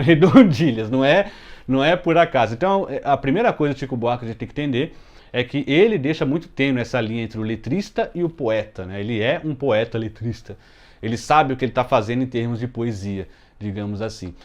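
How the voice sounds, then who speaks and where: A man from Brazil teaching a casual music lesson at home, explaining step by step with frequent "né?" tags and slowing down to scan verses syllable by syllable. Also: mid-range voice. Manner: explains step by step, many "né?" tags, slow deliberate scanning of verses. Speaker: music teacher, channel host. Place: home room with closed window, children heard outside.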